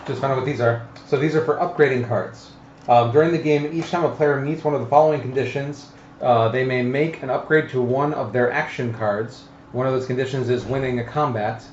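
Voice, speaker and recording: A man explaining board game rules to a group in a halting, casual way. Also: mid-range voice, a little mellow. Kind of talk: casual tabletop game chat with rules reading. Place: indoor room, group around a game table. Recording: roomy, dull lo-fi live stream with noise.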